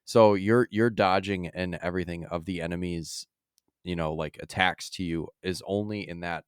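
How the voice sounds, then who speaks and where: Deep, smooth-voiced man chatting casually. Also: fairly even intonation, normal speed, dry recording, studio quality. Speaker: podcast co-host. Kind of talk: casual video game discussion.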